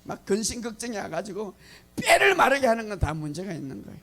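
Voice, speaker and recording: A male pastor preaching a sermon, telling a story with lively acted-out lines and frequent laughter. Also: high voice, fast talker, vocal fry. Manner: animated storytelling, acting out lines, laughing often.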